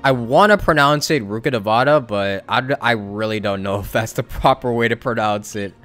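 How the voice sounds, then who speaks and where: A man's voice: medium pitch, brisk, fairly bright tone. A man giving casual live stream commentary as a game streamer, in a wry, joking manner. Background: game music.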